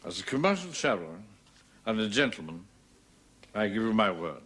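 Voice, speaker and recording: A man's voice: on the low side, very animated, moderate pace, fairly bright tone, slight background noise. An actor playing a mocking, boozy black-sheep brother who works as a commercial traveller. He is cheeky and taunting and laughs at his own jokes. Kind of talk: 1970s TV sitcom acting.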